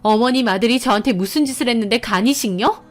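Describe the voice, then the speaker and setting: A woman's voice: on the high side, fast talker, faint music behind. A woman narrating a scripted first-person story in an indignant, confiding manner.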